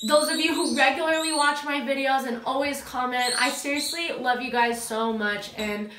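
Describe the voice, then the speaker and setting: A young adult beauty vlogger with a stuffy nose chats through a makeup tutorial in a small room at home, gushing and teasing herself, while dogs play in the background. Her high, nasal voice is pushed and bright, with fairly even intonation at normal speed. The sound is roomy with slight background noise.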